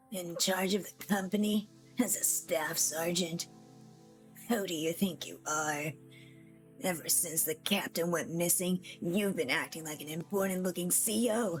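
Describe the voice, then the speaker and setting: A raspy, gravelly put-on character voice at a middle pitch and moderate pace, with clear music in the background. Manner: angry, confrontational.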